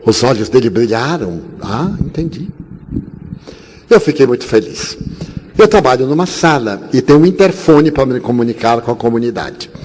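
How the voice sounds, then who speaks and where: A man's voice: medium pitch, darkish tone. A man from Bahia, giving a storytelling talk to an audience and acting out every character. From Bahia, Brazil. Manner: theatrical, acts out every character. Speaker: spiritist speaker. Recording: echoey hall, faint hiss.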